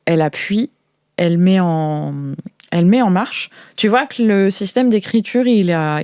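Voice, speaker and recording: A woman narrating an improvised tabletop game as game master, in a halting, informal storytelling manner. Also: fairly low pitch, mellow, clear, resonant tone, no echo.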